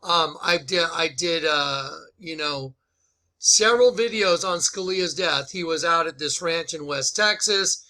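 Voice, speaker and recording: A man's voice: fairly high pitch, a little slow, sharp tone. A man hosting informal opinionated commentary, speaking in an emphatic, repetitive, accusatory way. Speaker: video host and commentator.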